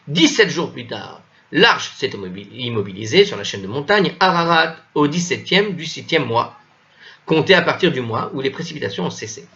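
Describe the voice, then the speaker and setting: A man with a fairly high, bright voice leads a lesson, reading a text aloud and unpacking it step by step. He often trips over his words and starts sentences again, and he keeps turning to his listeners with questions. The recording sounds dull and lo-fi. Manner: explains patiently, often stumbles and restarts, asks the listeners questions. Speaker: teacher commenting a religious text.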